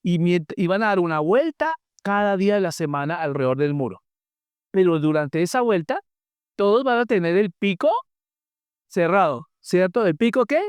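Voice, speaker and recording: Preacher, smooth clear voice, dry close sound, animated storytelling. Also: mid-range voice, normal speed, dry recording. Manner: animated storytelling, asks the congregation questions; joking asides. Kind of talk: sermon.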